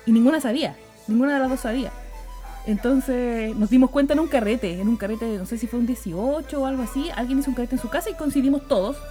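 A woman's voice: a little high, fast, warm tone, faint music behind. A young woman with a Chilean accent hosting a podcast, chatting in a slangy way and laughing often. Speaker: podcast host. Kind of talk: casual chat.

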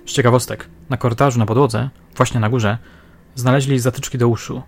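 Brief: a man playing a blunt, slangy police sergeant in a crime audiobook, speaking up loudly. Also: medium pitch, fairly even intonation, fairly quick, close to an everyday voice. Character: gruff male police sergeant, blunt and talkative.

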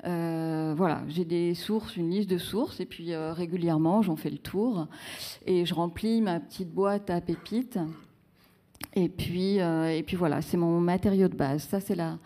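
A woman's voice: on the low side, measured pace, mellow. A woman author in a live book talk, speaking reflectively with many fillers and restarts as she searches for her words.

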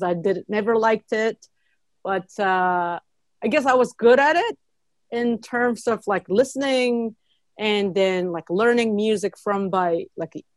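A woman's voice: mid-range voice, no room sound. A woman in her thirties from Japan with a Japanese accent, a guest chatting casually and saying "like" a lot. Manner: relaxed, chatty, says "like" often. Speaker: guest jazz pianist. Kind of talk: casual interview chat.

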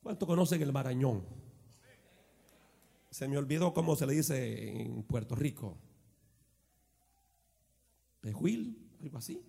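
Preacher man in a church hall with a long echo tail, slow and deliberate, goes loud then quiet. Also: animated, gravelly, husky. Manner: shouts and calls the congregation to repeat after him; swings from shouted exclamations to low conversational asides. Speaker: pastor. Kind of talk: sermon.

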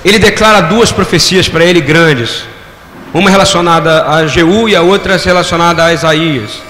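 High-voiced preacher in echoing church. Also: male voice, normal speed, bright, forceful tone. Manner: interactive, has the congregation repeat phrases; rhetorical questions to the audience. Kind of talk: sermon. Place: church hall. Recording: echoey hall with long reverb, faint room noise.

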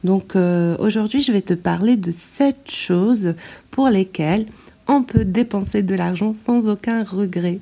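A woman hosting an informal solo podcast, speaking hesitantly with drawn-out pauses, recorded in low quality on a tablet's built-in microphone like a poor stream. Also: mellow. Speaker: podcast host. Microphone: tablet's built-in microphone, no proper mic.

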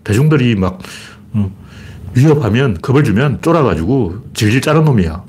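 A man's voice: mid-range voice, animated, normal speed, darkish tone, a little hiss or hum. A middle-aged man hosting a solo political commentary livestream, talking bluntly and colloquially and answering his own rhetorical questions. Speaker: livestream host.

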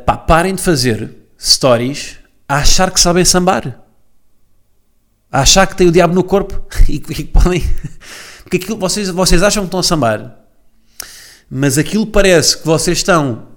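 A man with a European Portuguese accent riffs alone at home, hosting his own comedy podcast. His voice sits a little on the high side, and his monologue is a mocking, sarcastic rant, punctuated by constant "right?" asides to his listeners. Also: fairly bright tone. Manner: sarcastic, mocking rant with frequent tag questions. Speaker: podcast host.

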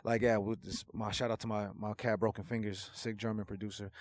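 A guest rapper whose native language is Portuguese chats on a casual podcast in a lowish, fairly quick voice with no echo. He's animated and slangy, swearing for emphasis.

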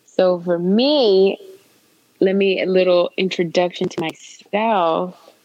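A woman's voice: fairly low pitch, slow, a little mellow, highs cut off. A woman with a Puerto Rican accent, co-hosting a podcast in casual, candid chat with blunt, wry remarks. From Puerto Rican, raised in the US South. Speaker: podcast co-host.

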